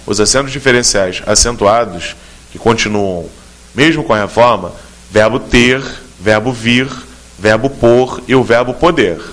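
In this exam-prep video, a Brazilian Portuguese-accented man breaks down a grammar question step by step, speaking straight to the student in a clear, methodical way. He has a mid-range, fairly bright voice.

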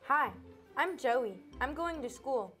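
A friendly young schoolboy in a children's puppet show, voiced by a woman. The voice sits a little high, eager and open. Faint music plays behind. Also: expressive, takes it slowly, a bit bright, exaggerated voice.

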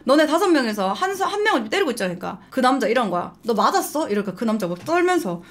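Her voice sits on the high side, swinging widely in pitch and racing along very fast. She's a young adult eating-show host who talks frankly and shares stories between mouthfuls, with soft music in the background.

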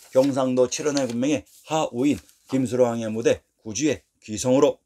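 Man reading a steady history narration. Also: mid-range voice. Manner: steady, measured reading of dates and place names. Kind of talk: scripted narration.

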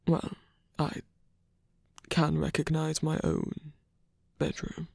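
A man playing a tired, wounded villain softening toward a lover in an intimate ASMR roleplay, breathy and hesitant, often half-whispering close to the mic. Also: on the high side, lively intonation, no echo, exaggerated voice. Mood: curious, probing. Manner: hesitant, halting, with long pauses and sighs. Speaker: ASMR voice actor. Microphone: close microphone, dry.

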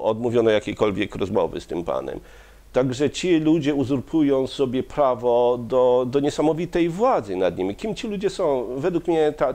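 A man in his fifties, a guest in a studio interview, talking haltingly with many pauses and restarts, speaking into a lapel mic. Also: medium pitch, dark tone. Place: small studio with curtain backdrop.

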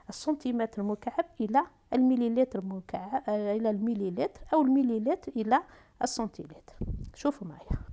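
A woman's voice: mid-range voice, warm tone. Woman teacher with an Algerian accent. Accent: Algerian Arabic. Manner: talks through steps slowly, asks and answers herself. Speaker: math and physics teacher. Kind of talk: whiteboard lesson for middle school.

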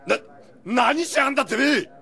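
An actor playing a coarse, bullying thug who talks in rough street slang, in anime audio drama style. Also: male voice, very high voice, expressive, moderate pace, pushed and bright, full character voice. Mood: menacing, sneering. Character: coarse bullying thug trying to seize a shop.

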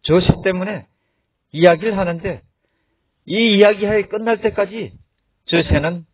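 A man outdoors by a road, telling a joke in a playful, animated storytelling manner, recorded with dull lo-fi sound. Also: sits high, measured pace, breathy edge, dry recording. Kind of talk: comic storytelling.

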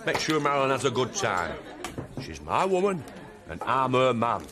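A man's voice: mid-range voice, moderate pace, heavy background noise, natural voice. An actor playing a boisterous man. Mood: cheerful. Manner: boisterous, jokey, lively. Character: boisterous Yorkshire man, proud of his new woman. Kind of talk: television soap drama.

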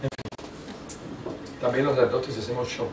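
An older man, a priest, teaching a lay audience in a small meeting room, telling stories with lively asides and restarts. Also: mid-range voice, a little slow, recorded from a distance, background noise. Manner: animated storytelling with frequent asides and restarts. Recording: echoey room, taken from afar.

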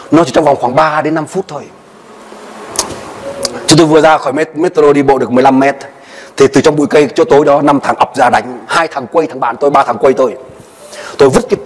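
A male pastor preaching a sermon and telling a personal story with animated delivery, his voice often jumping high for emphasis. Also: slight background noise. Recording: long hall reverb.

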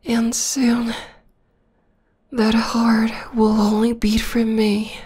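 Obsessive young female vampire played by a woman for ASMR roleplay: whispery, slow, tender yet menacing. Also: a little high, completely flat delivery, darkish tone, full character voice. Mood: infatuated, hushed. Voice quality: breathy, whispery. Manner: intimate, slow, lingering delivery. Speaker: voice actor.

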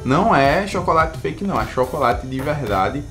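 A man's voice: on the high side, lively intonation, a little fast, a bit bright, faint music behind. A Brazilian man vlogging a taste test, talking with enthusiasm while chewing his food. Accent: Brazilian Portuguese. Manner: enthusiastic, emphatic praise. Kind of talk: casual taste-test vlog.

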